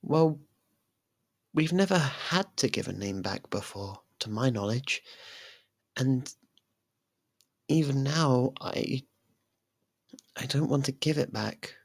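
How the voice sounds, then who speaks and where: A performer plays a young faerie royal who is lovestruck and possessive in an intimate ASMR roleplay. The mid-range voice is gravelly and husky, animated and heavily acted, speaking softly and haltingly in a tender, clingy way.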